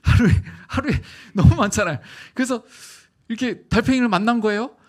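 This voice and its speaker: A man preaching a sermon as pastor, telling stories with animated, acted-out voices. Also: very high voice, fairly quick. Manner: animated storytelling, acting out voices. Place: church sanctuary.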